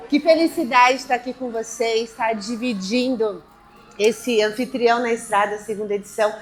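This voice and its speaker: A woman hosting a live event, talking to the audience in an energetic, quick and restless way. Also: a little high, some chatter behind. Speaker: event host. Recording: echoey room, faint noise.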